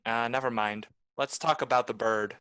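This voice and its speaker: A man's voice: medium pitch, steady tone, normal speed, sharp tone, clear, resonant tone, no echo, natural voice. An actor playing a cynical, wisecracking private detective in a 1940s noir radio play, talking in clipped, sardonic tough-guy lines. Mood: cool, businesslike.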